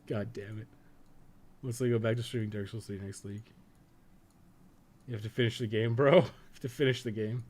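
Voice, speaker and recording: A man's voice: fairly low pitch, fairly even intonation, unhurried, long pauses, a little mellow. Casual, sweary man rambling through game commentary. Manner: rambling, thinking aloud; profane, slangy, joking. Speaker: game guide streamer and podcast host. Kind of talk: casual live-stream gaming commentary.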